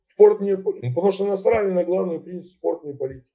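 A man's voice: high-pitched, quick pace, mellow. A man in his seventies on a video call, arguing bluntly and swearing, talking in a dismissive way. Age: 70s. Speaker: chat roulette stranger. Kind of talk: argumentative video chat. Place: indoor room.

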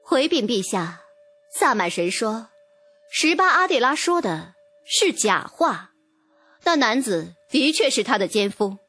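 A woman's voice: a little high, big pitch swings, measured pace, fairly bright tone, slightly rough, no room sound, soft background music, exaggerated voice. A woman voicing a pompous sorceress who solemnly pronounces false divine verdicts in a ceremonial, earnest manner, in an audio drama. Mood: solemn, ominous.

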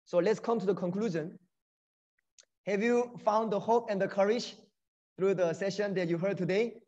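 High-pitched man giving a motivational talk. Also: normal speed, darkish tone. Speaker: guest lecturer. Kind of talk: motivational online lecture. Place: indoors on a video call. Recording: dull, lo-fi video call.

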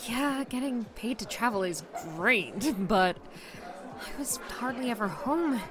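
A woman in her twenties playing a lively, teasing young influencer friend in an audio drama, with music under her voice. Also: fairly high pitch, slow pace. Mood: chatty.

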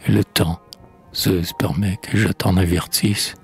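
A man voicing a compassionate god who speaks slowly and gently with a deep, low tone. Faint music hums in the background. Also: fairly even intonation, gravelly. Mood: consoling. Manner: gentle, consoling recitation. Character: compassionate god Apollo, consoling an adult man.

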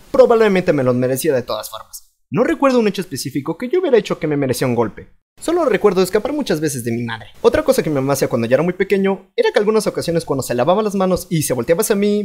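Fast, lively Latin American narrator. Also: male voice, high voice. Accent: Latin American Spanish. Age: young adult. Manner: animated, playful delivery. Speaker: fandub narrator. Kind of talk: comedic storytime narration.

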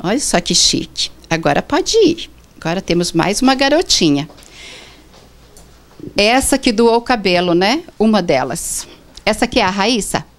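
Woman, show host, mid-pitched voice, cheerful, sweet coaxing tone, indoors. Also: animated, moderate pace. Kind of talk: hosting a children's fashion show. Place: indoor atelier.

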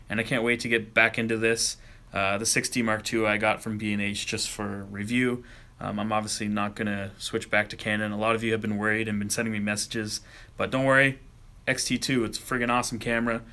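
A man's voice: mid-range voice, pushed and bright. A man talking casually and offhandedly in a home vlog, recorded on a handheld cell phone, with a little grumbling now and then. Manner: chatty and offhand, with mild grumbling. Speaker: camera vlogger.

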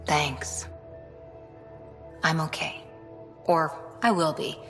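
An actress playing a loyal, self-doubting human lieutenant in a video game, earnest and steady. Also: female voice, sits low, very slow, soft background music.

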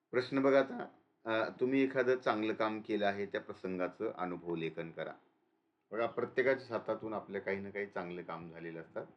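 A male teacher explaining a school lesson, often pausing to check in with listeners. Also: lowish voice, highs cut off. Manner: explains and repeats with frequent "है ना" checks.

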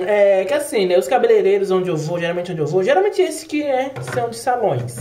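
A man's voice: high-pitched, a little mellow, a little hiss or hum. Brazilian guy at home doing a late night vlog, rambly, tons of fillers and repeats. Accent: Brazilian Portuguese. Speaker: vlogger.

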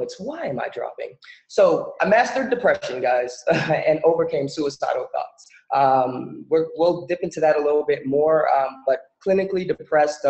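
Man from the Bahamas, easygoing presenter with lots of fillers, slightly high pitch, roomy lo-fi call audio. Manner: relaxed, chatty, many fillers. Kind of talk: casual presentation on a video call. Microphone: video call. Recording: echoey, dull video-call audio.

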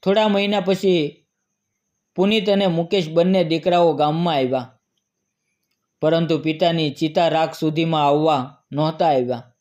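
A man narrating a scripted emotional story in an even, measured storytelling manner. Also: on the high side, lo-fi sound.

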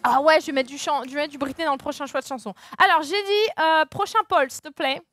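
A woman's voice: high voice, fast talker, fairly bright tone. A woman game streamer chatting casually with her viewers live and thinking aloud with fillers as she picks songs. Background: game music.

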